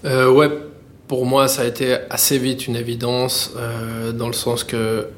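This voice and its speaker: A man who is a musician answering interview questions in French, talking in a halting way with many fillers and restarts. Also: mid-range voice, completely flat delivery, slight background noise. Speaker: musician guest.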